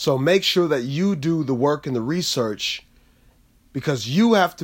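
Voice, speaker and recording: A man speaks in a plain, everyday voice. The recording is very clean, with a silent background. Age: 30s. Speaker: motivational podcast host. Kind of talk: motivational monologue.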